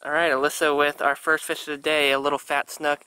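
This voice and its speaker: A man's voice: on the high side, little pitch movement, a little fast, bright, forceful tone, low-quality recording. A young American man chatting casually as a fishing vlogger on a boat. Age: young adult. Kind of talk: casual vlog chat. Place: outdoors on a small boat on backwater. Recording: outdoor boat noise, water ambience.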